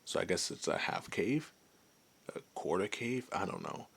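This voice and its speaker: A man voicing a friendly, gentle werewolf and former adventurer in an intimate ASMR roleplay, chatting in a hesitant, softly amused way. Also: sits low, lively intonation, moderate pace, vocal fry, husky, full character voice. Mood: amused, casual.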